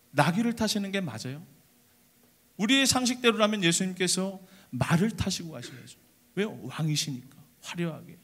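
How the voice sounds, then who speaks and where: Young male junior pastor, slightly high voice, very lively intonation, animated storytelling sermon that acts out the characters. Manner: speaks directly to the congregation with questions. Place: church service.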